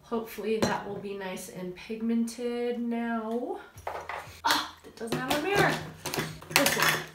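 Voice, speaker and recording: A woman's voice: a little high, slow pace, reverberant, heavy background noise. A young woman with a stuffy, nasal voice, chatting her way through a makeup tutorial from home. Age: young adult. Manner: chatty, gushing, self-teasing. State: stuffy nose. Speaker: beauty vlogger. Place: small home room, indoors. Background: dogs playing.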